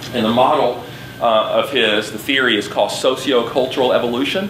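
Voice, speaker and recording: Someone with a Southern US accent talks at a fairly quick pace, with audible room echo and noticeable background noise. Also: man. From US South, Atlanta. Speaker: sociology professor. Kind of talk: lecture. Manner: hesitant, many fillers.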